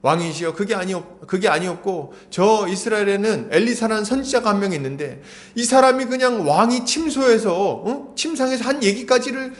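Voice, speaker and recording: A man's voice: high-pitched, lively intonation, a little fast, few pauses, pitched above the performer's own voice. A preacher voicing an anxious male servant urgently explaining to his king.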